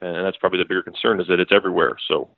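A man with a lowish voice breaks down a football game in long, rambling runs, restarting his sentences and dropping fillers. He comes through a thin, tinny phone line with no room sound. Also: steady tone, racing, vocal fry, no echo. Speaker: sports beat writer guest. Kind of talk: casual sports analysis. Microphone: phone call.

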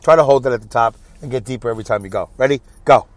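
A man's voice: medium pitch, rapid-fire. A stuffy-nosed man hosting his own podcast, chatting casually and self-deprecatingly while driving in traffic. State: congested, stuffy nose. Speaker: podcast host. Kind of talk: solo rambling podcast monologue.

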